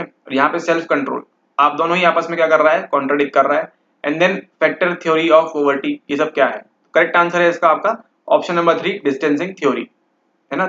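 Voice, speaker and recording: In slightly dull lo-fi audio, a man with a somewhat high, slightly bright voice teaches exam questions. He blends English into his Hindi and keeps checking in with the listener, saying "ठीक है" over and over.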